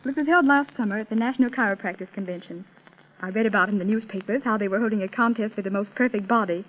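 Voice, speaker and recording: A woman's voice: mid-range voice, quick pace. An eighteen-year-old woman from Salt Lake City, interviewed on a 1930s radio program, answering in a modest, chatty way. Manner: modest and chatty, with light laughs. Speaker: interview guest, contest champion. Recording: tinny, thin old radio recording.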